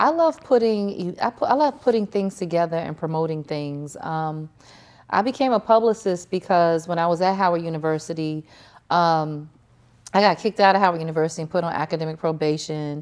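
A woman talks fairly quickly in an ordinary speaking voice. Her pitch is fairly low, with ordinary pitch variation. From Washington, D.C. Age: 50s. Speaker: publicist. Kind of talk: interview.

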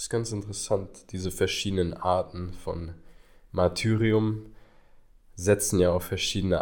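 A man speaks at a fairly slow pace in a fairly low, flat monotone. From Germany, Lower Rhine (Neuss). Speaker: podcast host, student. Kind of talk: casual conversation.

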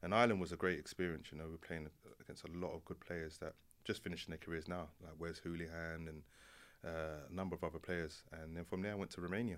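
Very fast and with fairly even intonation, a man speaks in a very deep, low pitch. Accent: London. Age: 30s. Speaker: community activist and mentoring charity CEO. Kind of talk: casual interview chat.

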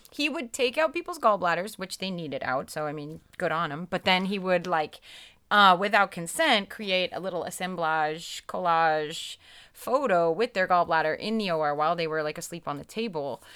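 Over a very clean recording with a silent background, a woman speaks at a moderate pace with a fairly low pitch, lively intonation and a bright, sharp tone. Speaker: artist and guest curator. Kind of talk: casual interview.

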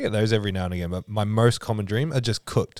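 Recorded very clean against a silent background, with a dry, close sound and no echo, a man with an Australian accent talks at a very fast pace in a fairly low, dark, mellow voice with fairly even intonation. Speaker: powerlifting coach and podcast host. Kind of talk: casual chat. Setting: studio.

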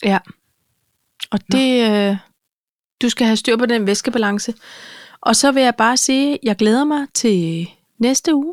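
A woman with a fairly high voice talks at a fairly slow pace with long, frequent pauses, her loudness very even and her pitch varying in an ordinary way, in a dry, close recording with no echo. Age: 40s. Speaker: podcast co-host. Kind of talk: casual chat.

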